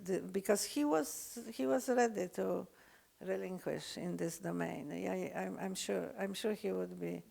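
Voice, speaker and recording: An older woman with a Polish accent, lecturing unscripted, halting often with fillers and restarts. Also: fairly low pitch, gravelly, dark tone. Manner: hesitant, many fillers and restarts.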